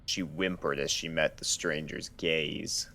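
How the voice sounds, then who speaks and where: A man's voice: extremely low pitch, steady tone, measured pace, sharp tone. A man reading fiction aloud as the narrator, in a scripted storytelling style.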